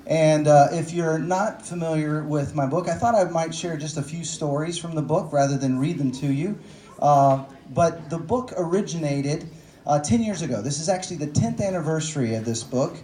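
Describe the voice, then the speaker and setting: Texas guy, author, chatty self-mocking stories, slightly high voice, roomy echo. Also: normal speed, dark tone. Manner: self-deprecating, joking, conversational with many fillers. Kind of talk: storytelling talk at a book event. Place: bookstore event room. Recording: echoey room, faint noise.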